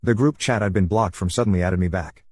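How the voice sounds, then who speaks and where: A man in his thirties from the United States reads a first-person story in a measured, deliberate way. His voice is low and husky, and the recording is dry and close with no room sound. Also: a little mellow, dry recording. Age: 30s. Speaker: narrator.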